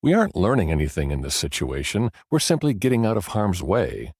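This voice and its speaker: A man reading scripted self-help audiobook narration in a measured, explanatory way with deliberate pauses. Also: deep voice, wildly swooping pitch, a little mellow, breathy edge, no echo, clean studio sound.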